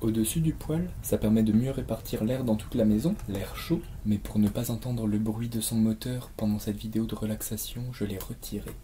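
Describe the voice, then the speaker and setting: A man speaks at a moderate pace with hardly any pauses, his fairly low pitch moving with ordinary variation over light background noise. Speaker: ASMR relaxation video creator and tiny house dweller. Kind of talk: ASMR relaxation talk to camera, guided evening. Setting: binaural headset microphone recording at home. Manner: soft-spoken, calm, gentle. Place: home room. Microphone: phone near.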